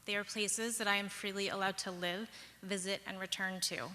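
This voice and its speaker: A young woman from the Pacific Northwest telling a personal story on stage, measured and reflective, with lilting pauses. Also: medium pitch, steady tone, sharp tone, slight background noise. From Pacific Northwest, USA. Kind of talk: personal story told live. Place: large hall, live stage. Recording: long hall reverb.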